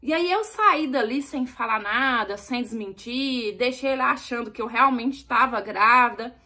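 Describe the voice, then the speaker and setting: A young Brazilian woman telling a story to her viewers, animated, acting out the dialogue. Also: on the high side, moderate pace. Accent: Brazilian Portuguese.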